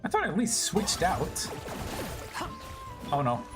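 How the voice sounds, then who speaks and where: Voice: medium pitch, wildly swooping pitch, measured pace, loud music behind the voice. Swearing, yelping game streamer. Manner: swears and yelps in frustration, chatty asides. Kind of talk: casual gameplay commentary.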